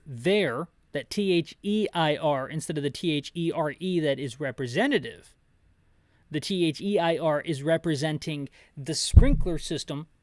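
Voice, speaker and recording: A man's voice: fairly high pitch, a little mellow, dry recording. A man giving casual, jokey, opinionated video game commentary, rambling as he narrates the action as the host of a playthrough. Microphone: close mic, bumped now and then.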